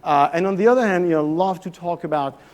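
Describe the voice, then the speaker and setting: His voice sits high with a darkish tone, and he talks fast. He's a guest lecturer and professor in his thirties from France, speaking with a French accent at an evening talk for a live audience, chatty and hesitant, often restarting phrases.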